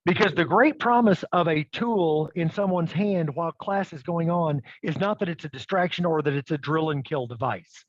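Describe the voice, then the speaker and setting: A man's voice: high-pitched, dry recording, lo-fi sound. A man presenting a live webinar demo, upbeat and checking in with the audience as he goes. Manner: upbeat, addresses audience with "okay?" and "right?".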